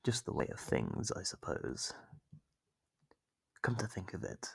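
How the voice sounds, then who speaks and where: Male actor as cruel taunting monster, gravelly and husky, deliberate slow pacing, close dry mic, ASMR horror roleplay. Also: sing-song, a bit bright, no echo, full character voice. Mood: mock regretful. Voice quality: gravelly, husky low voice with whispery edges. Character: sadistic monster gleefully toying with captive human prey. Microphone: close, dry microphone.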